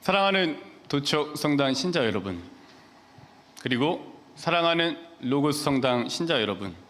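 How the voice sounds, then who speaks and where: A man giving a Mass homily as a Catholic priest, speaking in a measured, gentle way with pauses and soft filler sounds. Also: on the high side. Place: church. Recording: church with long reverb.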